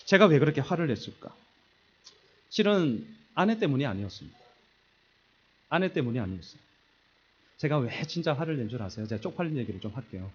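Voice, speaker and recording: A middle-aged man preaching a sermon, telling a self-mocking story with lively humor and acting out the voices in it. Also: mid-range voice, a little fast, pauses often, husky, lo-fi sound. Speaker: pastor. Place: church sanctuary.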